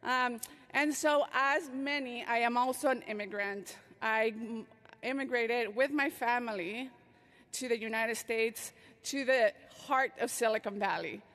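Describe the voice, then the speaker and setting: A woman's voice: a little high, measured pace, fairly bright tone. A woman from Mexico giving an invited conference talk, speaking with frequent fillers and false starts. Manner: hesitant, many fillers and restarts. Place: large conference hall. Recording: echoey large hall.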